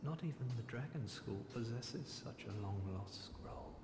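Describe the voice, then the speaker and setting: An actor playing a courteous, scholarly male sorcerer in a video game, speaking in measured, formal, archaic phrases. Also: medium pitch, animated, noisy background, natural voice. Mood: intrigued, marvelling. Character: scholarly male sorcerer, courteous, bookish, delighted by old lore. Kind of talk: video game character dialogue. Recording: echoey game audio under loud music.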